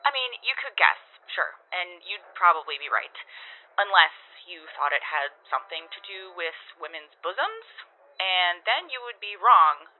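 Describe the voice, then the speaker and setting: A perky, talkative young-spirited shop girl rambles through her own homemade radio ad, thoroughly pleased with herself. Her pitch bounces around in a lively, conversational way. The sound is narrow and tinny, like a radio transmission. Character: chatty, bubbly, self-congratulating woman shop worker recording an ad.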